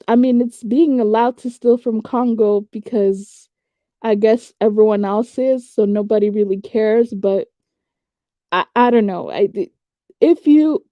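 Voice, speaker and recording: A woman's voice: mid-range voice, dark tone, no room sound. A young woman from Ghana giving skeptical, emphatic commentary and firing off rhetorical questions. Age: young adult. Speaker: online commentator. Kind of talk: casual political commentary. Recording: dull lo-fi dry recording.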